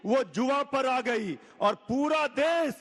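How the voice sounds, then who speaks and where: A man arguing as a party spokesman in a TV debate, forceful and rhetorical, rising at times to shouting. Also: extremely high pitch, expressive, slow pace, long reverb tail. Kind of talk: heated political debate.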